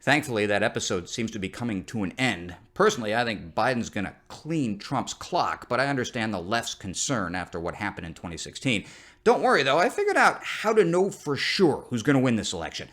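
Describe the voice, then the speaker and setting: A man's voice: mid-range voice, very animated, brisk, fairly bright tone. A man hosts a scripted news satire in the style of a parody news anchor. His mid-range voice moves up and down with lots of animation as he delivers comic commentary. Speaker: satirical news show host.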